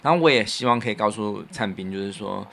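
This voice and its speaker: A man's voice: fairly low pitch, fast, vocal fry, a bit bright. A man with a Taiwanese Mandarin accent hosting a podcast in casual, reflective chat, telling anecdotes in an earnest way. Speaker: podcast host; musician.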